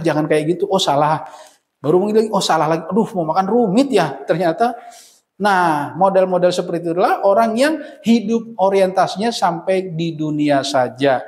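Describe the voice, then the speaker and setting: A man, an Islamic cleric, giving a religious lecture, stressing his points with rhythmic repeated lists and reciting Arabic verses. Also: sits high.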